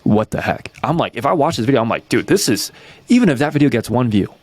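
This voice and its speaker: A man in his twenties from New York, breaking down marketing tactics as a coach, energetic and full of rhetorical questions, tagging "right?" onto nearly every point. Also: medium pitch, quick pace, no room sound. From New York, USA. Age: 20s. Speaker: YouTube business coach.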